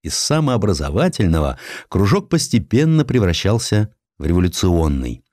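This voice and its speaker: A man with a low voice narrates historical prose in a scripted, dramatized style. His pitch moves in wide, animated arcs as he tells the story expressively. The sound is dry, with no room around it. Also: normal speed, no room sound. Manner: expressive storytelling, acting out quoted lines. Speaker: audiobook narrator.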